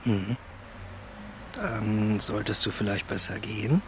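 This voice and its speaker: A man's voice: on the low side, lively intonation, slow, noisy background. An actor playing a charming young man, awkward and self-deprecating, chuckling as he rambles. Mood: bashful. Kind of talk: radio drama acting.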